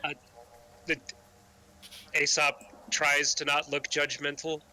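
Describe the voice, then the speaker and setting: A man's voice: fairly high pitch, completely flat delivery, takes it slowly, bright, forceful tone. A man playing a tabletop game, bantering casually, sometimes in character.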